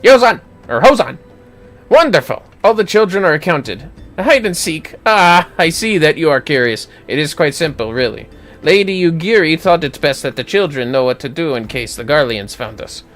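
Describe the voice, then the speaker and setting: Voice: mid-range voice, very animated, moderate pace, natural voice. A streamer voicing an earnest, courteous young guardian of children in a video game, speaking politely and formally. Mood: pleased, explaining.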